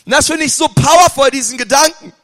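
High-voiced impassioned preacher in a hall. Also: male voice, quick pace. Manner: impassioned, swings from loud to quiet. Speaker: pastor. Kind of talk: sermon. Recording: long hall reverb.

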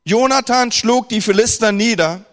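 A man's voice: high-pitched, moderate pace. A man from northern Germany preaching a sermon, reading scripture and retelling it with humor and mock dialogue. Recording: long hall reverb.

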